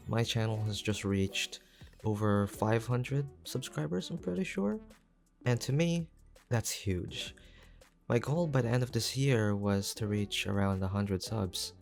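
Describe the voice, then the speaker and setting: A man's voice: fairly low pitch, gravelly. A man who voice acts for his own channel, giving a casual, modest, chatty outro. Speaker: amateur voice actor, channel creator.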